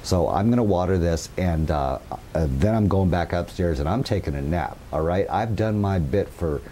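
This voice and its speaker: Sick, deep-voiced man at a gardening lesson. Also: lively intonation, moderate pace, dark tone, slight background noise. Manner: blunt, folksy, talks straight to viewers. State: sick with a fever, stumbling over words. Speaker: gardening channel host. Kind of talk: casual gardening tutorial. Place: home patio garden among potted plants.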